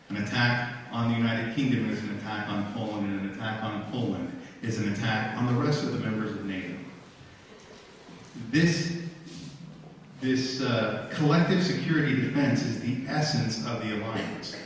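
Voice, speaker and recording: A middle-aged American diplomat with a lowish voice gives a formal public speech, his phrasing measured and deliberate. He's recorded from the audience of a large lecture room, his handheld mic heard through the room speakers and picked up by a distant camera, so the hall sounds very echoey with faint noise.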